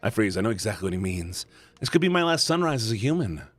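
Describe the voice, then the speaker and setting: A man streaming a story game, reading the text aloud and chatting playfully with his viewers in an animated way. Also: on the low side, fast, dry recording. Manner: animated, playful, shouting at times. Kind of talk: reading a visual novel aloud to chat.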